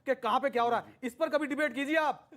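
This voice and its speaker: A man's voice: very high voice, fast talker, fairly bright tone. A man speaking as a guest in a televised debate, explaining a proposal to the host.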